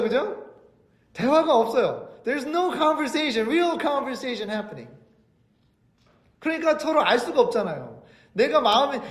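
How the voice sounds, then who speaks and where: A man preaching a sermon in Korean and English, asking the congregation rhetorical questions and then restating each point slowly in English. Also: very high-pitched. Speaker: pastor. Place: church sanctuary. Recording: echoey church hall.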